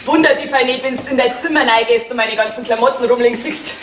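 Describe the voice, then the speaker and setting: Woman playing pert young Bavarian carer, high-pitched, folk comedy, echoey stage, faint noise. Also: fast talker, a bit bright, close to an everyday voice. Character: pert, self-assured young female geriatric nurse. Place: theatre stage before an audience.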